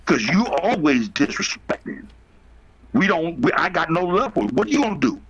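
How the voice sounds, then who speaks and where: Taunting man, high lively voice. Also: normal speed, noisy background. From United States. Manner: aggressive, profane, taunting, repeats his jabs. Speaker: debate participant. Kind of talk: heated live-stream argument. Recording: dull lo-fi stream audio.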